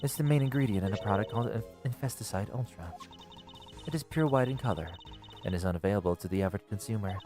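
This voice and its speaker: A man's voice: on the low side, over music, lightly acted. A man voicing a pompous, smug judge. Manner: formal, measured diction. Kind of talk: live voiced game playthrough.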